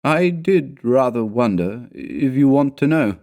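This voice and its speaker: Man voicing a grave, frightened, fatalistic companion, pitch raised. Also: lively intonation, normal speed, darkish tone, close to an everyday voice. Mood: grave, wondering. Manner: intense, foreboding. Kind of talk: storybook character dialogue.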